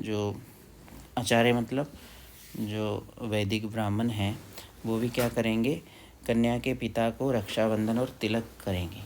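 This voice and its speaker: A man teaching wedding mantras, reciting slowly and breaking words into syllables for the listener to repeat. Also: fairly low pitch, a little mellow, a little hiss or hum. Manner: slow, careful recitation with syllable-by-syllable drilling. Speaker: Sanskrit teacher.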